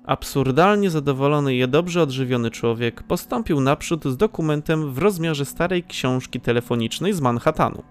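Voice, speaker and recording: Slightly high-voiced male storyteller. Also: lively intonation, moderate pace, hardly any pauses. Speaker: narrator. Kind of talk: scripted audio drama narration. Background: faint music.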